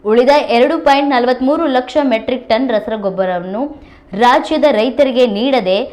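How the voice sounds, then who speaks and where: A woman reading scripted news reports as a voice-over in an even, formal manner. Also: a little high, moderate pace. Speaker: news reader.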